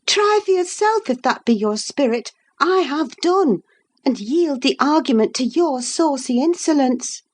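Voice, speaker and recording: A proud young noblewoman, cutting and emphatic, her lines pitched high and swinging widely, as a woman reader puts her on. She lays out her words slowly and with declamatory weight, storybook drama in the telling. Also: expressive. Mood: defiant. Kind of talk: audiobook dialogue reading.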